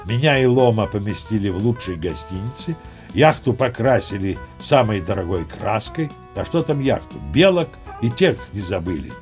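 A man's voice: lowish voice, animated, moderate pace, a little mellow, close to an everyday voice. Man as a boastful old sea captain, confiding yarn-spinner, audio play, faint music underneath. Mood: storytelling. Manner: chatty, confiding, old-fashioned courtesy. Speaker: narrator.

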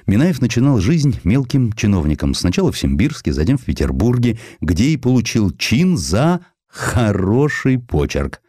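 A man narrating a literary historical essay as an audiobook, with expressive, dramatic and measured phrasing. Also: on the low side, slightly rough, no echo, clean studio sound.

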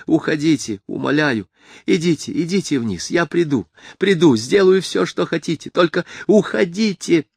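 Strained, shrill male scientist read by a man in an audiobook, high-pitched and brittle. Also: expressive, normal speed, gravelly, dry recording, studio quality. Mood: pleading. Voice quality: shrill, rising to falsetto. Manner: indignant and haughty, then pleading. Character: tense, haughty middle-aged male scientist, turning hysterical.

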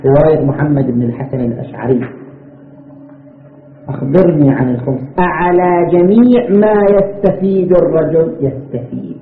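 A man giving a seminary lecture on jurisprudence, explaining point by point and asking himself rhetorical questions. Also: on the high side. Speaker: religious scholar teaching jurisprudence. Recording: tinny, echoey lecture recording with faint noise.

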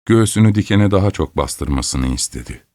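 A man reads a fairy tale aloud in a measured, expressive way. His voice sits very low, and the recording is dry and close, with no room sound. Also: no room sound. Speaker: storyteller. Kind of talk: storybook narration.

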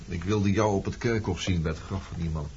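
An actor playing a bitter, accusing former resistance man in a Dutch radio drama, sardonic and deliberate as he probes. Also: low-pitched, darkish tone, slight background noise. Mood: grim, probing. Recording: dull lo-fi radio play recording.

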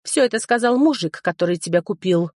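A woman voicing a tiny, hot-tempered female fairy who squeals and shouts in a storybook reading. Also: lowish voice, expressive, fairly quick, no echo, studio quality. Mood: reporting.

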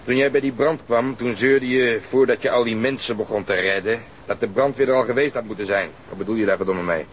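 Brusque, fast-talking police detective played by a man. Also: medium pitch, a little hiss or hum, lightly acted. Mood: angry, domineering. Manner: curt, sarcastic, domineering. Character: brusque, bullying male police detective interrogating people. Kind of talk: radio drama acting.

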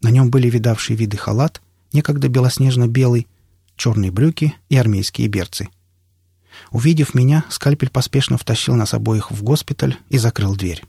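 A man narrating an audiobook in the first person in a steady storytelling manner. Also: medium pitch, moderate pace, gravelly, breathy edge, dry recording, clean studio sound.

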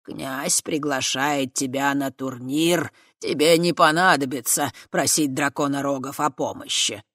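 A reader voicing an old horned male forest creature, a shrewd grandfather who speaks slowly and weightily. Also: medium pitch, fairly bright tone, no room sound, clean studio sound, natural voice. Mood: persuasive. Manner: slow, weighty, calculating.

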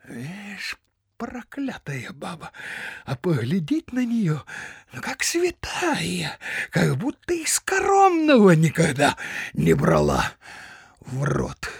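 A man's voice: high-pitched, wildly swooping pitch, slow, slightly rough, no room sound, studio quality, heavily acted. An actor playing a blustering, indignant village father in a Russian audio drama, grumbling and exclaiming theatrically. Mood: grumbling, angry.

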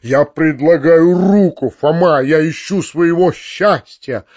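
A man doing an agitated, pleading gentleman. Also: fairly high pitch, a little slow, highs cut off, close to an everyday voice. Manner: loud, pleading. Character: agitated kindly middle-aged gentleman, pleading.

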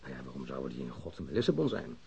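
Defiant male suspect: dark, very raspy, evasive and irritated, radio-play recording. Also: very deep voice, very animated, rapid-fire, heavily acted. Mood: defensive. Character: defiant, indignant male airline worker held as suspect. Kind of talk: Dutch radio play acting. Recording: dull lo-fi radio drama recording.

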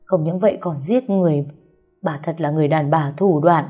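A woman voicing a stern male master of a wealthy household who speaks loudly and commandingly. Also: deep voice, a little fast, breathy edge, faint music behind. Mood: angry. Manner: loud, commanding.

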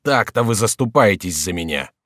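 A man's voice: fairly low pitch, expressive, normal speed, a bit bright, no echo, studio quality. A man voicing a volatile, anguished adult male king in a storybook reading. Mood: agitated. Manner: agitated, imploring, wrathful.

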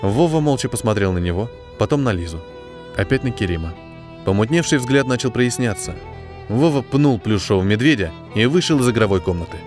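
A man narrating a science fiction story in an audiobook, with expressive, scripted delivery. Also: medium pitch, fairly quick. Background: background music.

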